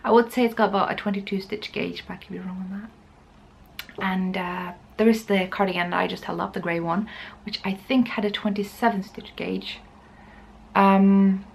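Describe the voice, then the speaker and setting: A woman's voice: medium pitch, fairly even intonation, normal speed, vocal fry, a little hiss or hum. A woman chatting casually and informally to camera as the host of a knitting podcast. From Norway.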